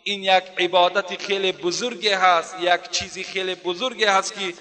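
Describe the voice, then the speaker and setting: A man delivers a sermon as a story, drawing out the recited prayers. His voice sits a little high and sounds bright and sharp. A long reverb trails behind his words, as in a large hall. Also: level tone. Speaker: preacher.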